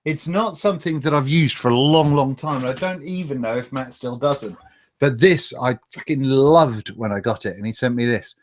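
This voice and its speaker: A British man with a mid-range voice and moderate pace hosts a livestream, chatting casually and swearing as he reads viewer comments.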